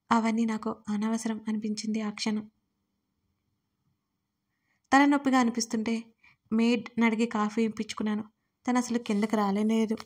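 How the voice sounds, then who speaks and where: Lady reading a first-person audio drama, pretty flat delivery, voice a bit high. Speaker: storyteller. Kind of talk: first-person scripted narration.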